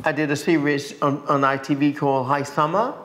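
With a deep voice and a fairly quick delivery, an older American woman, a singer, tells stories as an interview guest. Her casual, animated telling is marked by frequent restarts and repeated words.

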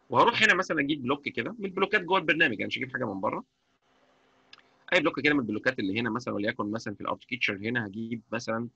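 Egyptian man with an Egyptian Arabic accent, live software lecturer, husky, dry close sound, keeps asking if you follow. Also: mid-range voice, no room sound. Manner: chatty, checks understanding constantly. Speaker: software instructor. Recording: dull lo-fi mic.

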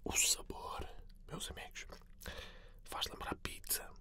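A man in his forties with a European Portuguese accent, whispering breathily in short, unhurried remarks for an ASMR chip tasting. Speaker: host of an ASMR snack tasting video. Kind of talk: whispered ASMR food review. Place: small indoor setup with black curtain.

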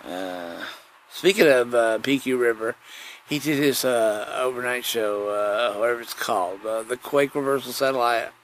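A man rambling casually through a solo podcast monologue, halting and digressive, often repeating himself. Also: mid-range voice. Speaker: podcast host. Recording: clearly noisy background.

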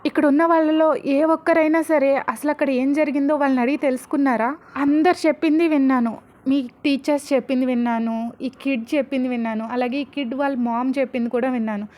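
A calm young mother, voiced by a woman, reasoning in a measured, firm, high voice. She stays composed and steady. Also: lightly acted.

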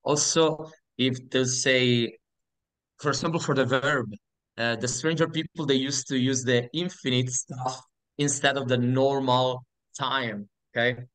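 A man's voice: mid-range voice, fairly even intonation, a little slow, a bit bright, no room sound, poor audio. A man in his thirties with a strong Italian accent, a guest speaking frankly and emphatically on a video call. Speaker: guest musician. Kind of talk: casual video-call interview. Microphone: laptop webcam on video call.

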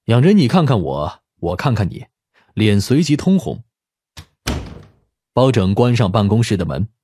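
A man's voice: lowish voice, sing-song, normal speed, dark tone, husky, no echo. A man narrating a scripted audiobook story as its narrator.

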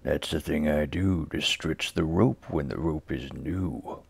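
A man voicing a sly, coldly mocking hangman in a dramatic poem, with a slow, taunting, gravelly rasp. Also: a bass voice, pitched below the performer's own voice, exaggerated voice. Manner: slow, drawn-out, taunting delivery. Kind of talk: dramatic poetry recitation.

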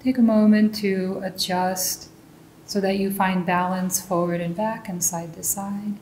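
A woman leading a guided meditation as a teacher, giving calm, gentle instructions. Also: unhurried. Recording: roomy echo, faint low rumbling noise.

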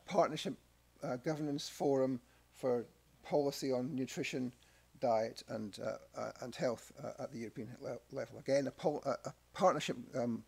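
Scottish man presenting at a podium, gravelly. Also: medium pitch, mellow. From Scotland. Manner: dry asides, frequent hesitations and restarts. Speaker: academic researcher presenting. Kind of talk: conference presentation. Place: press club conference room. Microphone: podium microphone.

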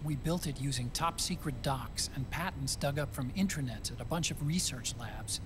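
An actor playing an earnest, hesitant, soft-hearted male computer scientist in a video game cutscene. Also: mid-range voice, normal speed, noisy background, close to an everyday voice. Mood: enthused.

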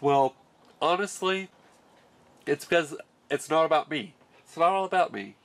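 A man's voice: on the high side, expressive, moderate pace, creaky. Nasal young man with a cold. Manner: chatty and enthusiastic, explains step by step. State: stuffy nose from a cold. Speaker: gardening channel host. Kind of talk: casual how-to vlog. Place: small greenhouse. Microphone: camera mic at close range.

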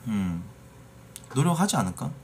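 A man's voice: lowish voice, very animated, moderate pace, a little hiss or hum. A man in his late thirties chatting casually on a live stream, bluntly teasing and swearing at his viewers from a small green-screen room. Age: 30s. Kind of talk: casual live-stream chat reacting to videos.

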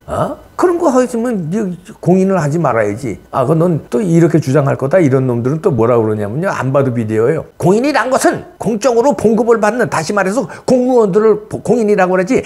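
A middle-aged man, a political commentator, ranting angrily and scornfully, scolding and mocking with sudden drops and jumps in his voice. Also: slightly rough. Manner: scolding, mocking, shouts insults and swings wildly up and down in pitch. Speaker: political commentator, channel host. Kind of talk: angry political rant to camera.

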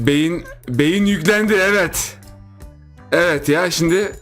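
A young man giving casual, joking gameplay commentary, full of exclamations and laughter. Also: on the high side. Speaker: gaming YouTuber.

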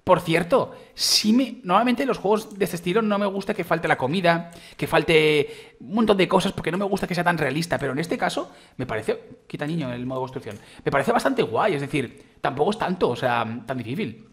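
A man with a Spain Spanish accent giving excitable, rambling let's-play commentary while trying out a game, full of exclamations. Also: fairly high pitch, fairly quick, slightly rough. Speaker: gaming youtuber.

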